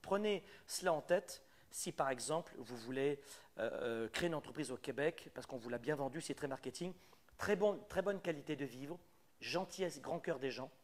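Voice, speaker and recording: A middle-aged man with a French accent coaches would-be entrepreneurs live. He talks emphatically and keeps repeating his key points. His voice sits a touch higher than most men's. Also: lively intonation, normal speed. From France. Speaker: business coach. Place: Quebec.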